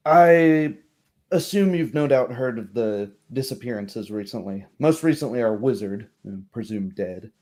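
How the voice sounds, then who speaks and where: A man's voice: mid-range voice, expressive, measured pace, a little mellow, lightly acted. A man voicing a courteous, concerned baroness in a tabletop game, formal and hesitant in speech. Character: courteous, concerned noblewoman, a baroness hosting guests.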